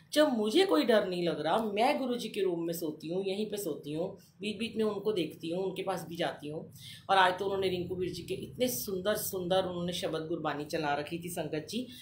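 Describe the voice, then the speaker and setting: Somewhat breathy and animated, a woman speaks at medium pitch with ordinary pitch variation and a moderate pace. She hardly pauses, and there is audible room echo. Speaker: spiritual satsang host. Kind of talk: live satsang talk. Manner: animated, conversational.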